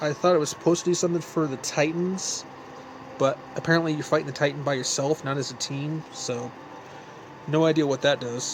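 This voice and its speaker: Over noticeable background noise, a man with a fairly high voice speaks at a fairly quick pace with fairly even intonation. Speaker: gaming video creator. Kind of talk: tutorial. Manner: halting, self-correcting; casual.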